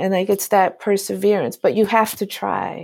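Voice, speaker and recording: In a New Jersey accent, a woman talks at a medium pitch. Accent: American, New Jersey. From US, New Jersey. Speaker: textile artist. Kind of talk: interview.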